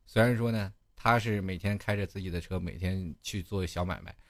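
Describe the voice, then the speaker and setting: Lively man telling a funny story. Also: low-pitched, a little fast, no echo. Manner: animated, laughing at his own story. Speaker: studio show host. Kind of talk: comic storytelling. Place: studio.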